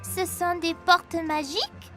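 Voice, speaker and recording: A woman voicing a curious, excitable four-year-old boy in a dubbed children's cartoon. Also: very high-pitched, slow, music in the background. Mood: curious, amazed.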